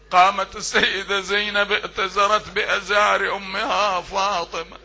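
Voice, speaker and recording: A man, reciting a mourning sermon that moves between chanted lament and quiet prayer. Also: sits high, little pitch movement, a little slow, vocal fry, slightly rough. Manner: emotional, sing-song lament rising to cries, then soft prayer.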